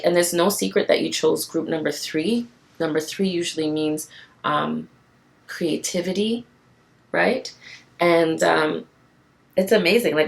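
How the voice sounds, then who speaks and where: A woman giving a casual, passionate tarot card reading to camera, with a raspy, tired voice and encouraging repetition. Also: deep voice. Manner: passionate, encouraging, repeats phrases for emphasis.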